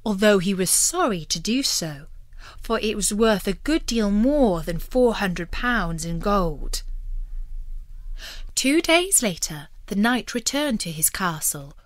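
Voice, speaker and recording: A woman narrating a scripted storybook tale in an expressive, deliberate manner. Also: mid-range voice, no echo.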